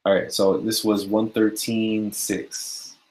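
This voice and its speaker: A sleepy, yawning forex educator runs a laid-back live-stream chart breakdown, his speech loose and packed with fillers as he addresses everyone as "guys." His voice is lowish, level, a little mellow, and slow, though the audio quality is poor.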